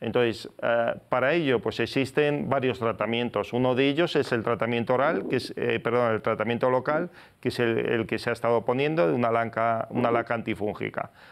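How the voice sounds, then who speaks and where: A man at medium pitch and a fairly quick pace, with very even loudness and ordinary pitch variation. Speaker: podiatrist. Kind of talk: expert interview answering viewer questions. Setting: studio. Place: studio. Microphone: lapel.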